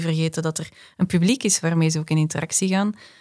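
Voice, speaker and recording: A woman talks at a very fast pace with a fairly low pitch. Her tone is animated. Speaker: speaker coach. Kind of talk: casual chat. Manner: animated, talks with her hands.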